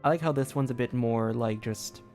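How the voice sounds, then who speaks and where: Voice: mid-range voice, normal speed, darkish tone, faint music behind. A streamer giving casual, musing commentary on a game, thinking aloud a little hesitantly.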